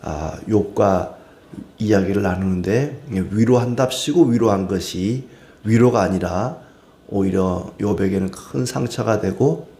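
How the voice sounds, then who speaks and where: A man's voice: deep voice, mellow. A man preaching a Bible study sermon in a conversational way, with frequent filler sounds. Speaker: pastor. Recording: roomy echo.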